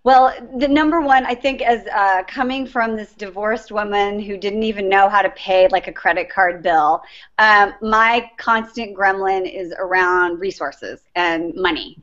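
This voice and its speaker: On a dull lo-fi recording, a middle-aged woman with a mid-range, fairly bright voice speaks earnestly as an interview guest. A life coach, she answers by sharing her personal story.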